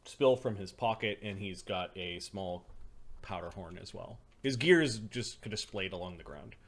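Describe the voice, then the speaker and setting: A man's voice: low-pitched, expressive, normal speed. A man narrating a tabletop role-playing game as game master, describing scenes as he improvises them.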